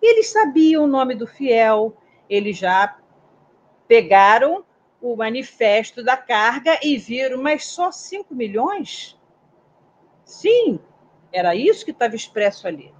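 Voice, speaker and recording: Brazilian lady in her 60s, high voice, storytelling, kinda muffled audio. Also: a little slow. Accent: Brazilian Portuguese. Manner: lively storyteller, asks listeners questions. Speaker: aviation security specialist, guest. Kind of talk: storytelling in a talk. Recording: dull, slightly muffled audio.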